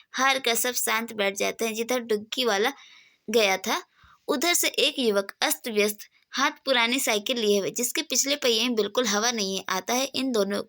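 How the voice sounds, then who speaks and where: A woman's voice: fairly high pitch, a bit bright. A woman reading a one-act play aloud as a storybook, naming each speaker before their line and correcting small slips. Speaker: Hindi tutor.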